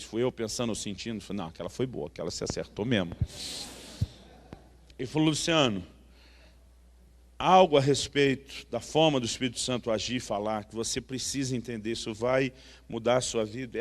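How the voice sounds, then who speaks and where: A man's voice: mid-range voice, fast, in a large hall. A man with a Brazilian Portuguese accent preaching a sermon, telling a story and acting out the dialogue, with frequent tag questions. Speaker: pastor.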